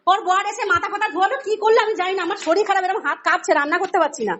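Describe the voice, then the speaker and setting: A woman's voice: very high-pitched, fairly even intonation, very fast, a bit bright, roomy sound, a little hiss or hum. A woman in a heated household argument, indignant, insistent and defensive. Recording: dull call recording.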